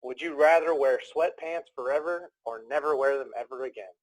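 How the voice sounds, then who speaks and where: A man's voice: medium pitch, fairly quick, no echo, poor audio. A man hosting a casual interview podcast, talking in an upbeat, chatty, joking way. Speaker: podcast host.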